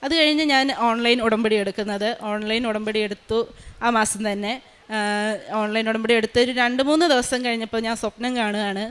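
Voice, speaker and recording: A woman, a maternity nurse, giving an earnest personal testimony in a quick flow of speech with many hesitation sounds, recorded in a large church hall. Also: on the high side, clear, resonant tone.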